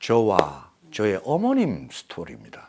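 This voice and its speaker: A man's voice rises and falls in very wide pitch swings as he talks at a very slow pace. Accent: Gyeongsang. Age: 60s. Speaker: singer. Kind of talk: interview answer.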